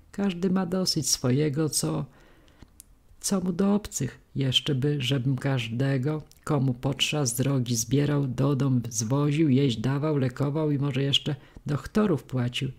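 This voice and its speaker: A woman's voice: extremely low pitch, gravelly, warm tone, slightly rough, heavily acted. Woman doing a spiteful old village gossip. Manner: scolding, spiteful, folksy peasant speech.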